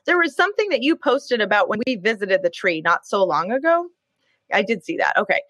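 Woman panelist on a video call from home, dry close sound, easygoing storyteller, quick to laugh. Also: mid-range voice, very animated, fairly bright tone, no echo. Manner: friendly, talkative, laughs easily. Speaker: podcast panelist. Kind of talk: casual chat. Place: home in Seattle.

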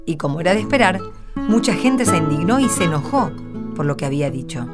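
A woman with an Argentine accent narrates a radio drama. Her voice is fairly low, with a lively, sweeping melody. Plucked guitar music plays clearly beneath her. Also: fairly quick.

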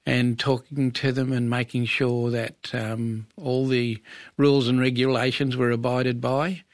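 A man in his seventies from Western Australia with an Aboriginal Australian accent, reminiscing conversationally as an interview guest, pausing and repeating words as he tells his story. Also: medium pitch, little pitch movement, dry recording. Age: 70s.

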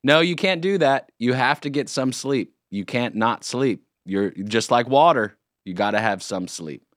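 A man hosting a morning radio show, chatting in a jokey, rambling, animated way in a studio. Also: mid-range voice, measured pace, no echo. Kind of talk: casual morning radio banter. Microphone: studio microphone.

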